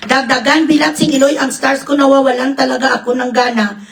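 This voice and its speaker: A woman's voice: high-pitched, fairly even intonation, brisk, creaky, distant mic, low-quality recording. A woman giving crude, mocking, profanity-laden livestream reaction commentary. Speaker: reaction vlogger.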